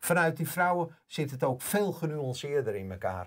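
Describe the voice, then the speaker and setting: A man speaks in a somewhat breathy voice at a fairly slow pace. Light background noise can be heard. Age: 60s. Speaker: documentary filmmaker. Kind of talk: interview. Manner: halting, many filler sounds. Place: studio.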